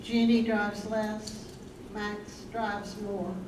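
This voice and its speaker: A woman performing as a measured, sombre narrator in a staged reading. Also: medium pitch, level tone, darkish tone. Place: live staged reading in an echoey room. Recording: roomy, distant, noisy stage recording.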